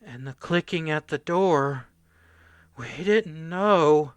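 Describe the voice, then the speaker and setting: A man playing a traumatised, drugged soldier in a radio play, recalling horrors in halting fragments. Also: a little high, expressive, no room sound. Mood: weary, haunted. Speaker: corporal under interrogation.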